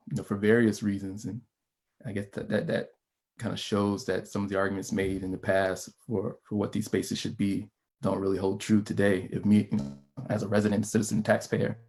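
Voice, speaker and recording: A low-voiced man with a rural South Central Virginia accent speaks in a measured, reflective way. His tone stays flat, with little rise or fall, and he pauses to gather his thoughts. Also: creaky. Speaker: public historian. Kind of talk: panel discussion.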